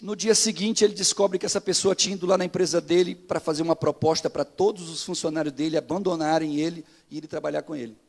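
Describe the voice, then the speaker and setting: A man's voice: a little high, fairly even intonation, quick pace, gravelly, few pauses. A male pastor with a Brazilian Portuguese accent preaching a sermon, acting out the people in his stories as he goes. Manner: preaching with rising intensity, acting out quoted dialogue.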